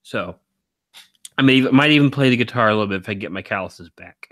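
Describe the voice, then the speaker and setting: A man hosting a live stream, talking in a rambling, teasing way with a deep baritone voice, very tired. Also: fast, fairly bright tone, no room sound. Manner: rambling, teasing, laughs often. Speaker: stream host. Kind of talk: casual chat.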